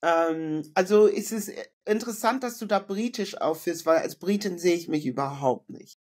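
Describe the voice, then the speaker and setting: A woman's voice: fairly low pitch, normal speed, darkish tone. Reflective middle-aged woman on a video call. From northern Germany. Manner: reflective, frequent fillers and self-corrections. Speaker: guest. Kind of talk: casual conversational interview. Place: indoor room at home.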